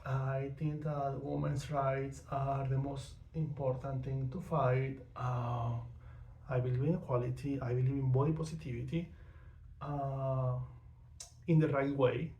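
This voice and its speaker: A man from Venezuela speaks English with a Venezuelan accent, his voice gravelly and mellow yet a bit high. He talks in a frank, outspoken way, with plenty of fillers. The recording has an echoey room sound. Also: little pitch movement, a little slow, highs cut off. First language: not English or Spanish. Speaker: vlogger. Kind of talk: casual personal monologue.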